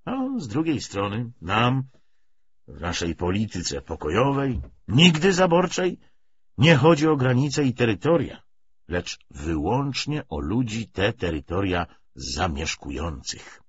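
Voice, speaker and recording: A pompous communist commissar acted out by a male reader lectures in emphatic, rhetorical phrases. His husky voice swings widely in pitch, on a slightly dull audiobook recording. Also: very animated, measured pace, exaggerated voice. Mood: instructive, calculating. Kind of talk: political speech within an audiobook novel.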